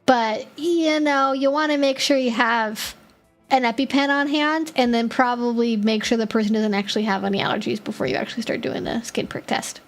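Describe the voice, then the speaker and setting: A woman's voice: fairly high pitch, fairly even intonation, brisk, soft background music. A woman hosting a casual live-stream Q&A, answering viewer questions in a chatty way, with lots of filler words as she thinks aloud.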